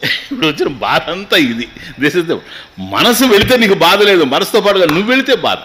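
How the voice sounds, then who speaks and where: Animated swami with a lively voice. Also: male voice, high voice, fairly quick, a little hiss or hum. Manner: animated, rhetorical questions, English phrases mixed in. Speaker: swami giving a spiritual discourse. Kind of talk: Vedanta discourse in Telugu.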